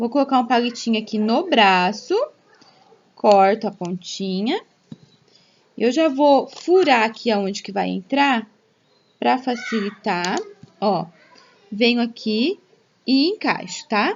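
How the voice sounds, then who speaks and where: Speaking at a very slow pace with long, frequent pauses, a woman uses a fairly high pitch and lively intonation. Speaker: craft teacher. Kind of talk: tutorial. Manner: loud, shouting over noise.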